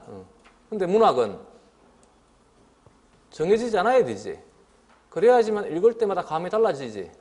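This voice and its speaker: A middle-aged man giving a biology lecture to students. He scolds them, keeps asking if they understand, and sometimes mimics them in a higher voice. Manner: lively and scolding, often asks "알겠지?". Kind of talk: classroom lecture.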